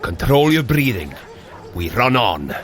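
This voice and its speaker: An actor playing a noble, protective warrior god, earnest and commanding, in a scripted audio adventure. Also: male voice, medium pitch, big pitch swings, measured pace, fairly bright tone. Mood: encouraging.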